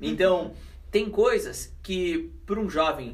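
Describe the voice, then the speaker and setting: Amid audible room echo, a man speaks at a fairly slow pace. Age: 30s. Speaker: pastor. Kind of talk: casual chat.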